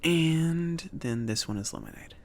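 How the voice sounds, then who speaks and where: A man playing a friendly, awkward mage who runs a potion shop, speaking softly and haltingly in a casual, chatty ASMR roleplay style. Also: fairly high pitch, lively intonation. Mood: friendly, hesitant. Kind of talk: soft-spoken ASMR roleplay.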